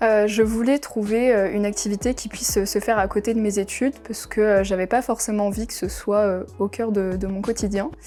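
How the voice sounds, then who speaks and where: A woman speaks fairly quickly with hardly any pauses, her fairly high voice keeping fairly even intonation over music in the background. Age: 20s. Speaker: university student. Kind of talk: testimony. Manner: hesitant, many filler sounds.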